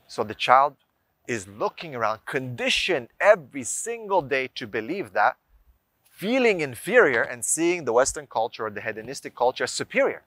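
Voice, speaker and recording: A man speaks in a mid-pitched voice, recorded close and dry. He lectures informally to viewers like a teacher of faith and family matters, stressing his points and posing rhetorical questions. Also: big pitch swings, moderate pace, a bit bright, dry recording. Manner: didactic, emphatic, rhetorical questions and listed examples. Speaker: speaker giving religious and parenting advice.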